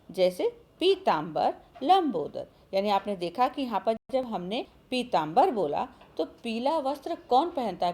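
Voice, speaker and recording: Her voice sits a little high with a darkish tone as she gives schoolchildren a grammar lesson, recorded for online viewing. She frequently addresses the kids directly and answers the very questions she asks them.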